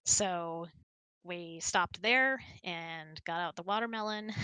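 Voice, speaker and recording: Bright-voiced chatty woman in casual conversation. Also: on the low side, slow pace, clear, resonant tone, no room sound, low-quality recording. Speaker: host. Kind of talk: casual chat, reading out and answering questions. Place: indoors, close and dry online voice hangout.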